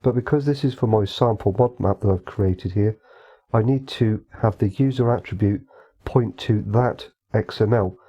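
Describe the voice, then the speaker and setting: A man calmly walking through a software modding tutorial, explaining each step methodically. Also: fairly low pitch, moderate pace, husky, lo-fi sound. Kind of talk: screen-recorded tutorial walkthrough.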